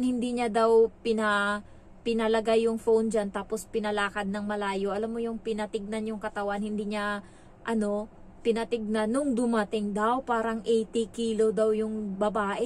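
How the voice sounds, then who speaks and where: Casting: a woman from the Philippines, a domestic worker and vlogger, chatty and gossipy, slightly high voice. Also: flat delivery, normal speed, darkish tone, a little hiss or hum. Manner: chatty, gossipy, lots of filler words. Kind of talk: casual vlog storytelling.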